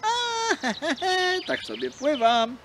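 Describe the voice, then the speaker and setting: A man's voice: on the high side, wildly swooping pitch, a little slow, slight background noise. A man voicing a small, clever male fox who chuckles cheekily and talks boldly. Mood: cheeky.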